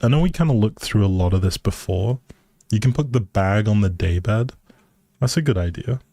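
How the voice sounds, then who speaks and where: A live streamer playing a building game talks in a relaxed way, considering small decisions out loud and answering his viewers. His voice is on the low side, animated and mellow, at a moderate pace, in a dry, clean studio recording.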